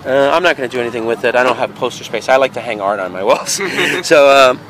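A man's voice: mid-range voice, fast. A man casually talking through a box of used video games at an outdoor flea market, thinking aloud with many fillers, recorded on a handheld camera. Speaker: video game reseller. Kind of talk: casual handheld vlog narration. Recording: noisy outdoor camera audio.

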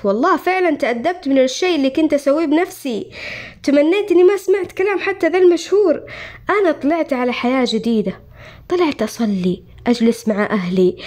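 A Saudi-accented woman retells a first-person story with earnest, emotional feeling. Her voice sits high and she talks at a rapid clip. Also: darkish tone.

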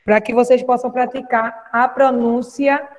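A woman teacher leading an online class over a video call, taking roll and slowly modelling English phrases for children to repeat. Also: on the high side, flat delivery, long reverb tail, a crowd in the background. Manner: slow, carefully enunciated English for repetition.

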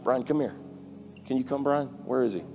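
A man's voice: mid-range voice, a little fast, a little mellow. A man leading a live stage ministry in an arena, casual as he directs the crowd. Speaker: evangelist host. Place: large indoor arena stage. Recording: live music under the voice. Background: worship music.

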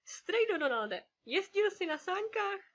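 A woman voicing three eager young duck boys who talk excitedly in chorus. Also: very high-pitched, highs cut off, voice pushed up. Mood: curious.

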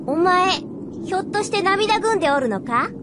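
Squeaky-high young princess, haughty, teasing, archaic, radio drama, ambient noise. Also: female voice, animated, normal speed. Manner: imperious, teasing, old-fashioned wording. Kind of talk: Japanese radio drama acting.

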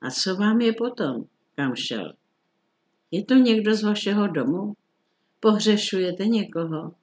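A man voicing a phlegmatic middle-aged police commissioner who talks in a dry, unhurried, grumbly way. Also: sits high, lively intonation.

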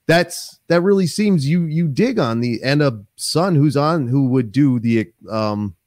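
A man's voice: mid-range voice, unhurried, no echo. Podcast host, thirties, man; rambling, chatty delivery on a desk mic, dry close sound. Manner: rambling, animated, lots of fillers and restarts. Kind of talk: casual interview chat. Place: small home office. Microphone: desk microphone on stand.

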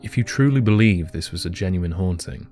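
A man playing a calm, probing therapist who asks measured, polite questions in an audio drama. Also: deep voice, faint music behind.

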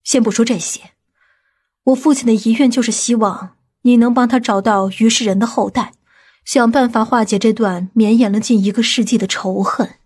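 A woman playing a stern, commanding woman from a powerful family in an audiobook drama, speaking gravely and deliberately. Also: a little high, fairly even intonation, a little mellow. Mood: stern, insistent.

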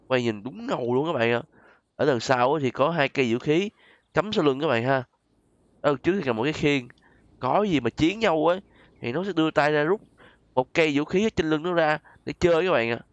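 A man's voice: on the high side, animated, fairly quick, no room sound, highs cut off. Southern Vietnamese man doing game commentary. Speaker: gaming video host. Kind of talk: casual gameplay commentary addressed to viewers.

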